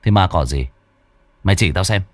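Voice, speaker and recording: A man voicing a blunt, gruff man who scolds his frightened friend. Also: deep voice, lively intonation, moderate pace, no room sound. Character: gruff irritated older-brother type man.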